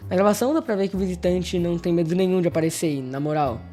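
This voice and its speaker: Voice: medium pitch, rapid-fire, warm tone, faint music behind. A Brazilian host giving casual video essay commentary in an informal, conversational way, speaking directly to viewers. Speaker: host of a horror review channel.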